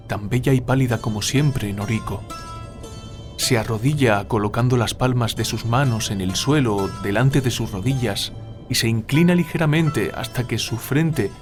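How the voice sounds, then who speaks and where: A man playing a troubled writer haunted by nightmares, confiding in a measured, literary way, as in an audio drama. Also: mid-range voice, lightly acted. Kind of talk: audio drama monologue, narrating a dream.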